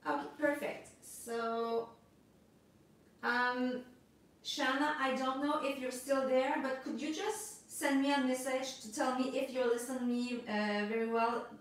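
A woman's voice: high voice, steady tone, a little slow. A woman in her thirties with a French accent, hosting a live art masterclass and greeting viewers, hesitant with many ums and restarts. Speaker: art instructor hosting a livestream. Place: home studio room with art supplies on a table. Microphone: camera a few feet away. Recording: echoey room, voice from a distance.

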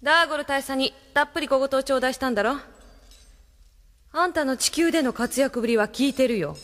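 A tough young female pilot with a bright, sharp-edged voice in an anime radio drama. She talks in a brash, teasing way, and a long reverb trails her lines. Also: sits high, brisk. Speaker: pilot, squad leader.

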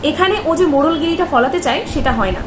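High-voiced indignant woman vlogger, echoey room. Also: animated, quick pace. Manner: indignant, rhetorical questioning. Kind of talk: commentary vlog. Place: bedroom, indoors. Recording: echoey room with background noise.

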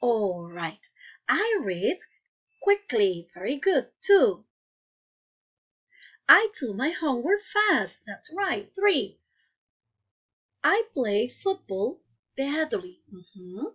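A woman's voice: sits high, very animated, drawn-out words, pauses often, fairly bright tone, lo-fi sound. A woman teaching English to young children in a patient way, asking questions and praising each answer. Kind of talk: online class lesson.

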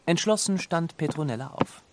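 A man narrating a scripted children's story in an expressive, deliberate storytelling manner. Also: on the high side, background noise. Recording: studio narration over music. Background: music.

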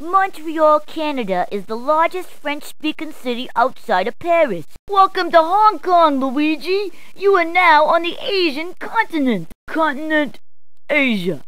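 A brash video game policewoman. Her voice is very high and swoops widely as she gives directions. The delivery is playful, punning and emphatic, in a dry, close recording. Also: very animated, a little slow, fairly bright tone, no room sound, exaggerated voice. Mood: brash, helpful. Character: brash, jokey New York policewoman giving directions. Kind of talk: scripted video game character clips.

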